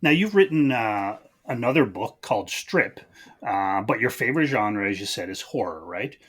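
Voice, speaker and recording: A man's voice: on the low side, expressive, normal speed, a bit bright, breathy edge. A man hosting a podcast, chatting casually and agreeably as he interviews a guest.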